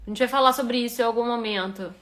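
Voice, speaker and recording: A woman's voice: on the high side, fast, fairly bright tone. A woman with a Rio de Janeiro accent, a writing instructor giving a live critique of a reader's manuscript and thinking aloud with frequent restarts. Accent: Rio de Janeiro Portuguese.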